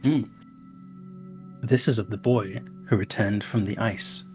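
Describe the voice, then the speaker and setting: A man in a tabletop game session tells a dark legend in character. His low voice moves slowly and dramatically, leaning into the ominous moments, with faint music underneath. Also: fairly even intonation. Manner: slow, dramatic, ominous storyteller delivery. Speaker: player.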